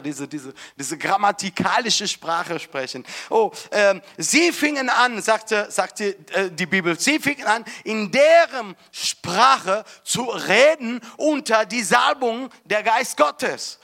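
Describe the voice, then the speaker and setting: A man delivers a sermon with fervent emphasis, swinging from loud bursts to hushed storytelling. His voice sits a little high and sounds bright and forceful, and he talks slowly, often restarting and repeating words. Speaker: preacher.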